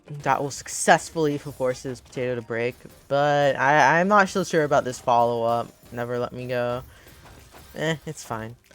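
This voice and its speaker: Against noticeable background noise, a man speaks in an American accent. His pitch is medium, his pace moderate and his pitch variation ordinary. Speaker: game commentator / streamer. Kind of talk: live commentary; casual chat. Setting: livestream.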